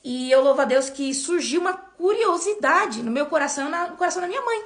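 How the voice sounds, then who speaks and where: A woman in her twenties with a Brazilian accent, telling a personal faith testimony as a church member, with animated storytelling and repeated words. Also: sits high, fast talker. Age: 20s.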